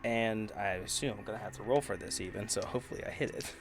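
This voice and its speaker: A man's voice: fairly low pitch, quick pace, gravelly. A man casually describing his moves as a player in a tabletop roleplaying game, music behind him. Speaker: player on an actual-play podcast. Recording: background music under the voice.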